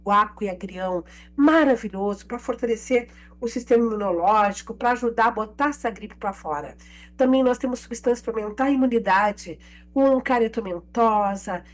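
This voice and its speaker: Hoarse pharmacist, woman, a bit high, explains remedies and reads out phone numbers on a radio segment. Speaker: pharmacist giving health tips on radio. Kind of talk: radio health tips segment.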